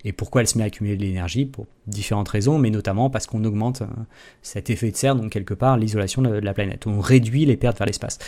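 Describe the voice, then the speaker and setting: A man giving a live-streamed science explanation, halting and restarting often, with an informal, self-mocking manner. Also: lowish voice, dark tone. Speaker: science educator.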